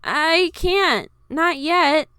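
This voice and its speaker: Woman voicing a meek, high-pitched young woman. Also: extremely slow, pushed and bright, dry recording, clean studio sound, heavily acted. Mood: nervous. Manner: hesitant, nervous, pleading. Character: meek, anxious young woman, squeaky when alarmed.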